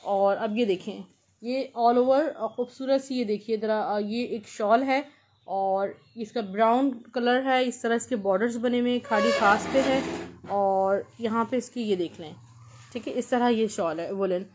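A woman with a Pakistani accent hosting an informal live shopping sale, pitching repetitively and mixing in English words. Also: a little slow, darkish tone, slight background noise. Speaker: live-sale host selling clothes.

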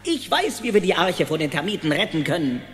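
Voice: mid-range voice, big pitch swings, brisk, lightly acted. A performer playing a resolute, dramatic woodworm leader giving orders in a children's audio drama. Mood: reassuring, determined. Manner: commanding, dramatic. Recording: long reverb with music behind.

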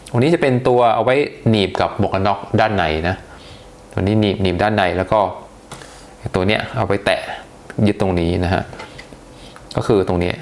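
A man's voice: on the low side, moderate pace, pauses often. A man giving a casual, chatty unboxing review, talking with hesitations and many polite particles. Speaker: tech reviewer.

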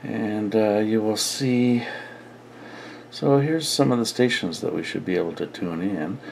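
A man with a deep, gravelly voice talks through his hobby casually. He takes his time, thinking aloud at an unhurried pace, as if showing a friend around his desk. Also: a little mellow. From Canada. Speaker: radio hobbyist. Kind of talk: casual demonstration to camera. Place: indoor radio desk at home. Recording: faint background noise.

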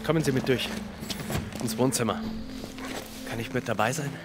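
An actor playing a helpful, concerned neighbour in a radio play, speaking gently. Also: male voice, mid-range voice, normal speed, heavy background noise, lightly acted. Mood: subdued. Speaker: actor in an audio drama. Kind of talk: German radio play acting.

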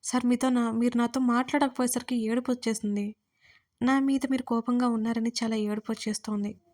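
A woman's voice: a little high, level tone, brisk, darkish tone, natural voice. A tearful young student in love, pleading and emotional, as a woman narrator gives her voice. She sounds like an everyday young woman in a storybook audio drama, close to the reader's own voice.

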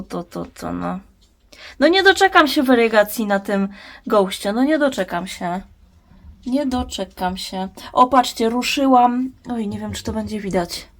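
A woman hosting a plant-care vlog, chatting casually at her indoor grow box and talking tenderly to her plants. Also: medium pitch. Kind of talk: casual talk while tending plants.

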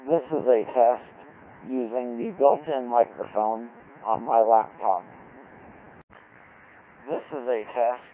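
A man slowly reading out a microphone test, his voice compressed through a filtered radio codec. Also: medium pitch, a little hiss or hum. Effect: compressed radio codec with band filters. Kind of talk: slow microphone test readout. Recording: muffled, phone-like, band-filtered codec audio.

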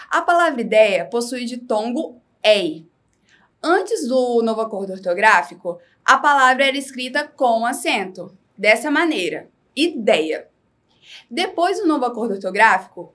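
Brazilian woman teacher, high voice, clear, patient, scripted lesson. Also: fairly bright tone. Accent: Brazilian Portuguese. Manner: slow, clear, instructive delivery.

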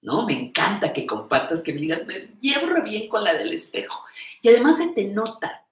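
A woman's voice: mid-range voice, wildly swooping pitch, normal speed. Older woman hosting a live chat. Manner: warm, encouraging, calls viewers "reina". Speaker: host of a live show on creative aging. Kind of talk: live-stream chat reading viewer comments. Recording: echoey room.

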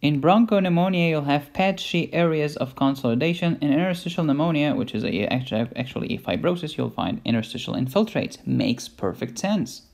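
A man's voice: a little high, expressive, a little fast, vocal fry, few pauses, a little mellow. A man giving an informal medical lecture in a playful, blunt and emphatic way. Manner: playful, blunt, emphatic teaching with mild cursing.

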